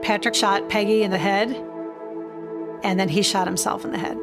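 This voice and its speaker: A woman with a medium-pitched voice recounts events in a documentary interview. She speaks as a bereaved sister, and music plays clearly behind her. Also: fairly even intonation, moderate pace.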